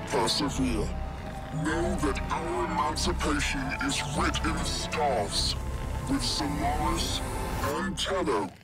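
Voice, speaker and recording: An actor playing a solemn, resolute people's leader in a video game cinematic, speaking like an orator with deliberate pauses. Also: male voice, fairly high pitch, expressive, loud music behind the voice. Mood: solemn, rousing.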